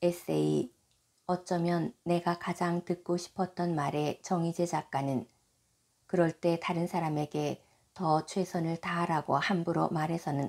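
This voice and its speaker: At a very slow pace, a woman speaks with fairly low pitch and fairly even intonation. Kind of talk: audiobook essay reading.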